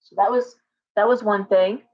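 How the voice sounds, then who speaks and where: A middle-aged woman, a tarot reader, chatting casually on a livestream from her living room, hoarse from coughing and rambling with many restarts. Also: mid-range voice, steady tone, normal speed. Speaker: tarot reader and shop owner. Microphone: webcam at desk distance. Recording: slightly dull lo-fi webcam audio.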